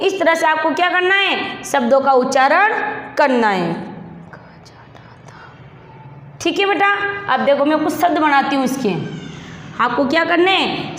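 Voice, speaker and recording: A woman teaching young children, drilling syllables slowly and asking the same questions again and again. She stretches out each word as she calls it. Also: high-pitched, fairly bright tone, slight background noise. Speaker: primary school teacher. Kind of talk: slow classroom drilling of syllables and words. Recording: echoey room with long reverb.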